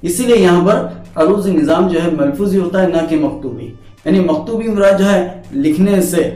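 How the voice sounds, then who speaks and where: A man's voice: sits high, normal speed, dark tone. A man teaching a lesson, patiently restating each point so it sinks in. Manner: patient, repeats each point to drive it home. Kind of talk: explanatory lesson on poetic meter. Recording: echoey room, distant mic, faint music.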